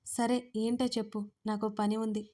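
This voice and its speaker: A woman's voice: mid-range voice, level tone, unhurried, mellow, close to an everyday voice. A woman voicing a cool, detached young woman who speaks dryly and curtly, in a Telugu audio story. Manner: dry, curt.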